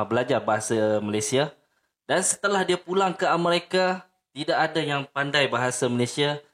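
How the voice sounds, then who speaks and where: A man's voice: medium pitch, a bit bright. A man hosting a reaction channel, commenting casually and addressing viewers informally. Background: music.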